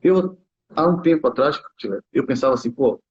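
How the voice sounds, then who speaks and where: Halting Brazilian man, muffled sound. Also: mid-range voice, lively intonation, darkish tone. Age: 30s. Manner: halting, many restarts and tag questions. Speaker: youth football coach, former player. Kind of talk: casual interview talk.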